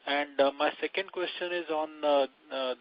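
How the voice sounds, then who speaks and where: Halting male analyst on muffled phone. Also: on the high side, fairly even intonation. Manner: hesitant, halting, many broken phrases. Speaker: financial analyst calling in. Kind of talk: asking questions on an investor call.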